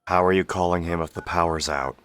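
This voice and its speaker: Very deep-voiced man, wry game streamer. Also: fairly even intonation, brisk, a bit bright. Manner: wry, mocking. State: sick, voice worn from long streaming. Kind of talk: live game commentary. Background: game audio and music.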